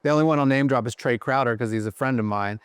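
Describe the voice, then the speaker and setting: A man's voice: medium pitch, fast, clear, resonant tone, no echo. A man guesting on a podcast, telling rambling, self-deprecating stories about his career with lots of fillers. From Ohio. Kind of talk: casual podcast chat.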